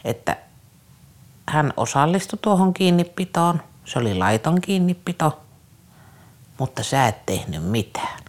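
A man, a former youth care counselor, telling a personal story in an interview in a halting, earnest way, often restarting his sentences. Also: fairly high pitch, big pitch swings.

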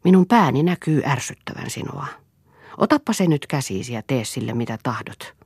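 A woman's voice: very deep voice, sing-song, a little mellow, breathy edge, no room sound, studio quality, full character voice. A woman reading the part of a defiant, steadfast wife who speaks firmly and resolutely. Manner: firm, resolute. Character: defiant, steadfast wife standing her ground.

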